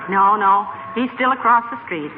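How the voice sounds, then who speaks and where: A woman's voice: mid-range voice, normal speed, lightly acted. An actress playing a patient, sensible wife who teases her husband dryly and stays polite with guests in a 1940s radio comedy. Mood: teasing. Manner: level-headed, dry teasing, polite. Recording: tinny old radio broadcast, loud hiss.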